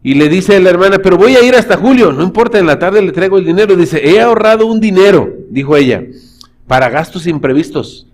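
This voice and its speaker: High-voiced pastor preaching. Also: male voice, animated, a little fast, a little mellow. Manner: storytelling, addresses congregation as brothers. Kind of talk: sermon. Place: church.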